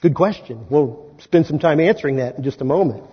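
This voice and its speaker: A male pastor from Kansas preaching an Easter sermon in a conversational way, often checking in with listeners with a quick "right?". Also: a little high, lively intonation, slightly rough, long reverb tail, dull audio. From Kansas, USA. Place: large church sanctuary.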